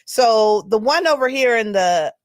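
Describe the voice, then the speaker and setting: A woman's voice: on the high side, lively intonation, a little slow, no room sound. A woman hosting a casual talk show, chatting playfully with her guests in Southern slang. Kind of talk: casual chat.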